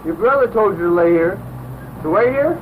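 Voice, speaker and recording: A jaded, dismissive policeman, played by an actor in a 1970s training film. His voice is high for a man and brusque, on a tinny, noisy old soundtrack. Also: animated, brisk. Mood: scornful. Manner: brusque, profane. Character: jaded, gruff male beat cop, dismissive.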